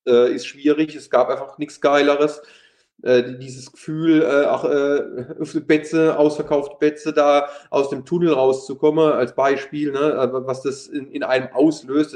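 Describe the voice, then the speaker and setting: A man's voice: on the high side, darkish tone, roomy sound. A man in his thirties with a Palatinate German accent, a former pro footballer and youth coach talking in an interview, hesitant with many fillers and restarts. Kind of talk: interview, casual talk.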